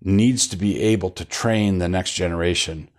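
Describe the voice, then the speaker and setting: Wearing a lapel mic, an older pastor talks at a normal speed in a deep voice during a relaxed studio interview. The set has bookshelves, and he drifts from point to point, restarting now and then with a wry chuckle.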